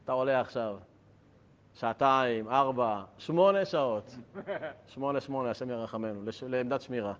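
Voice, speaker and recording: A man teaching a Hasidic Torah class, asking rhetorical questions and joking with his listeners. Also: medium pitch. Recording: dull lo-fi recording.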